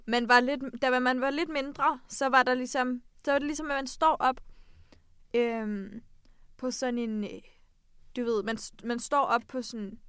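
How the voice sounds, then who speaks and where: A woman's voice: a little high, fairly bright tone, clear, resonant tone, dry recording, studio quality. A teenage girl co-hosting a podcast, chatting playfully and spinning vivid, rambling comparisons. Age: late teens. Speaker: podcast co-host. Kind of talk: casual chat.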